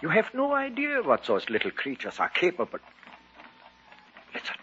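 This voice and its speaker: A man's voice: high-pitched, huge pitch swings, normal speed, background noise. An actor playing a formal, authoritative male occult doctor in a 1950s radio drama, on a dull old broadcast recording. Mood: grave.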